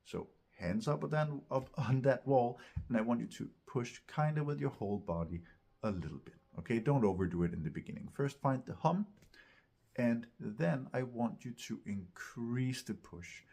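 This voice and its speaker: A man coaches singers through a technique in an informal, instructional way. His mid-pitched voice is husky and full of creaky fry. He explains step by step and often checks that the listener follows. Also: lively intonation, normal speed, mellow. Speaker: vocal coach. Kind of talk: instructional vocal technique lesson.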